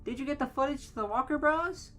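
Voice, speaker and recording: A performer voicing a stern, suspicious housewife in a parody story, pitched up and scolding with pointed questions. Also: fast, sharp tone, soft background music.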